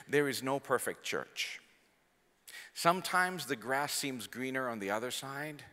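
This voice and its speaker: A man in his thirties with a Finnish accent preaches to a congregation into a handheld mic. His voice is bright and forward, and he tells stories in an animated, chatty way. The long reverb of a large church hall rings behind him. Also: mid-range voice. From Finland. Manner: animated, conversational, gesturing, jokes with the congregation. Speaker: guest preacher. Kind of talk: sermon with storytelling. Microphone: handheld microphone.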